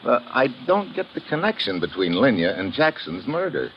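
An actor in a 1950s radio drama playing a tough, wry American government agent, clipped and sardonic. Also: male voice, mid-range voice, big pitch swings, normal speed. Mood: wry, probing. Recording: dull, noisy old radio recording.

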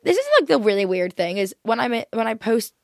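A young woman with a softened Northern Irish accent, chatting casually in a rambling, exaggerating way as a podcast host. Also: on the high side, lively intonation, fairly quick, creaky, no room sound, clean studio sound. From Northern Ireland. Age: young adult.

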